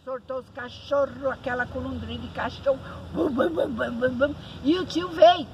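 A middle-aged woman telling a folk ghost tale in lively, colloquial rural speech, mimicking sounds as she goes. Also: sits high, normal speed, muffled recording. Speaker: storyteller. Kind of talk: oral folk storytelling. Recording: noisy recording.

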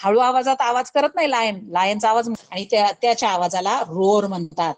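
A woman teacher with a Marathi accent, coaching pupils for a scholarship exam, explaining slowly and asking rhetorical questions. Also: medium pitch, low-quality recording. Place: recorded online lesson.

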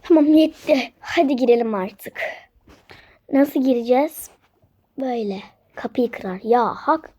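A woman acting out a spooky play scene, excitable, stammering and shrieking. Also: on the high side, a little slow, slightly rough.

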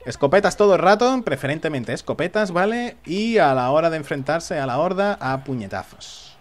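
A man commentates his own gameplay, his voice sitting a little high and swinging up and down in pitch. He jokes as he plays and taunts the enemies on screen. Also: animated, normal speed. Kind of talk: live gaming commentary.

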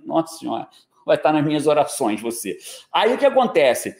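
A Brazilian man in his forties coaches a live online audience with a lively, bouncing voice that sits a little high. He jokes, drops slang and keeps checking in with his listeners. The sound carries the echo of a reverberant room. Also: fairly quick, creaky. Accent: Brazilian Portuguese. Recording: echoey room.

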